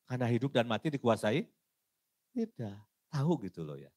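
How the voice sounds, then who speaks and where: A man with an Indonesian accent preaching a sermon, switching between loud emphasis and quiet asides and acting out little dialogues. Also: mid-range voice, big pitch swings, normal speed, no room sound. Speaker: evangelist preacher.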